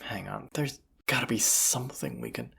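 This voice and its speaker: A performer voicing a folksy, plain-spoken bandit leader in an audio roleplay, with a gravelly, husky voice and a conversational, wry manner. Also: mid-range voice, big pitch swings, moderate pace, heavily acted. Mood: pondering, uncertain. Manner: folksy, conversational, hushed at times. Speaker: character voice actor. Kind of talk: immersive audio roleplay acting, addressing the listener.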